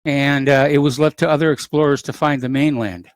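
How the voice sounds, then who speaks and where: A man's voice: a little high, fairly even intonation, a little fast, dry recording. Matter-of-fact male radio host. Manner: plain, matter-of-fact, brief replies to the caller. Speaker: radio talk show host. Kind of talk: talk radio commentary.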